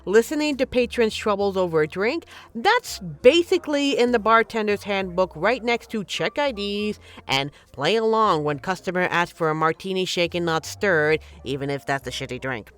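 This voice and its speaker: A woman's voice: medium pitch, lively intonation, normal speed, few pauses, a bit bright, lightly acted. A woman playing a flirty, teasing but caring bartender in an intimate, conversational audio roleplay. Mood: caring, wry. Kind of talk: intimate scripted roleplay, ASMR-like.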